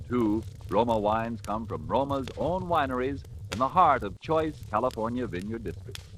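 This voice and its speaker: A man reading a scripted 1940s radio advertisement in a smooth, persuasive announcer delivery. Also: mid-range voice, fairly bright tone, slight background noise. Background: music.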